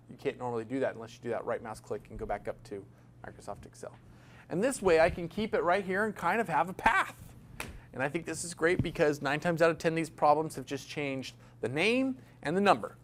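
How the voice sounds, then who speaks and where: A male instructor lectures an accounting class in a classroom, his voice sitting a little high for a man. He keeps it loose and chatty, cracking small jokes and tossing questions out to the students. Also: a little hiss or hum.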